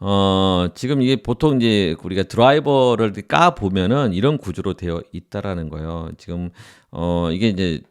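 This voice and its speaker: A man's voice: deep voice, normal speed, few pauses, clear, resonant tone. A man giving an informal tutorial lecture as an audio instructor, explaining and often restating his points for emphasis.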